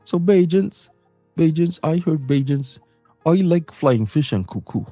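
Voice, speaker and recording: A middle-aged man from Trinidad with a Trinidadian accent, chatting casually as co-host, animated and quick to laugh, with plenty of fillers and restarts. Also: on the high side, dry recording, soft background music. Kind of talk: casual chat.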